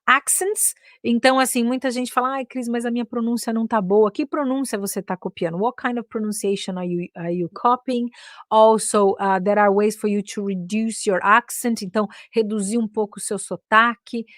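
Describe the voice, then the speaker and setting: A woman's voice: medium pitch, moderate pace, fairly bright tone, dry recording, clean studio sound. Brazilian woman teaching English, chatty. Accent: Brazilian Portuguese. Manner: mixes Portuguese and English, frequent "né?" and "ok?" tags. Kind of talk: casual online English lesson.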